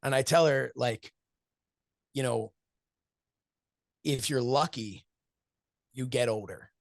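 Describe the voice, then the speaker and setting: Man, 40s, gravelly voice, dry close mic; reflective interview guest, storyteller, laughs easily. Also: mid-range voice, slow, no echo. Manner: earnest, storytelling, acts out quoted friends, laughs often. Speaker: wrestling commentator and show host, interview guest.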